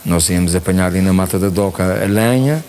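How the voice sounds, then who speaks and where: Speaking low and quickly with a darkish tone, this man is a retired army major in his sixties, a TV interview guest from São Miguel, Azores. He tells his life story in a plain way, and there is slight background noise.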